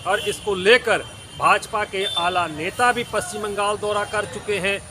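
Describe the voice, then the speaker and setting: A male news reporter wrapping up a political story, fluent but with filler pauses. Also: high-pitched, steady tone, noisy background.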